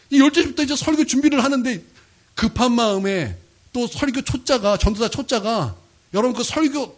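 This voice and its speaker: Male pastor, sermon delivery, husky slightly high voice, big swings, dramatic storyteller. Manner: animated storytelling with sudden loud peaks. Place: church sanctuary.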